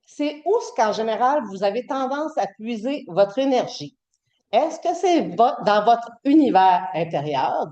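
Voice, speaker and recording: A middle-aged woman with a Québécois French accent gives a university class as a guest lecturer, chatty and full of fillers and restarts. Her medium-pitched voice is mellow and relaxed, and the room echoes around her.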